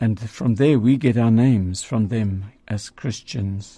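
Speaking at a very slow pace, a man has a dark, mellow tone that is somewhat breathy, with fairly even intonation. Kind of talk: liturgy, celebrating Mass. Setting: studio. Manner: formal.

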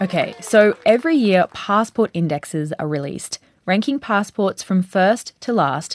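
In an Australian accent, the voice shows lively intonation in a dry, close sound with no echo over a quiet background. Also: woman. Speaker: radio producer and reporter. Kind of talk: scripted narration.

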